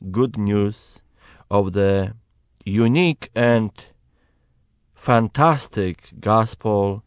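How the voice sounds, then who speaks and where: Slow earnest man with a Polish accent. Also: on the low side, a bit bright, clean tone, no room sound. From Poland. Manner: slow, earnest, emphatic preaching. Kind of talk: personal testimony, Bible reading.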